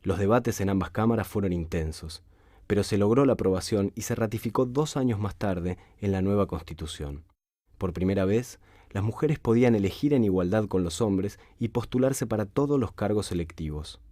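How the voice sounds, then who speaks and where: A man reading a scripted documentary narration in a steady, measured way. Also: lowish voice, no echo, studio quality.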